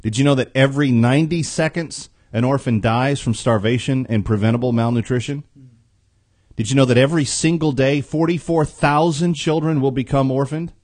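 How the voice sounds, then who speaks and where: A man's voice: medium pitch, normal speed, darkish tone, dry recording. Emphatic American radio host, dry male voice. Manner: emphatic, repeats key phrases. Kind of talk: talk radio hosting, earnest appeal. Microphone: close studio microphone.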